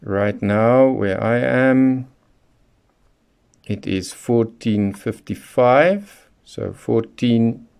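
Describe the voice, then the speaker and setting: A man's voice: medium pitch, drawn-out words, gravelly, darkish tone, smooth. A man presenting a hands-on product tutorial, explaining things methodically, step by step. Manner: methodical, instructional. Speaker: presenter of a radio how-to guide.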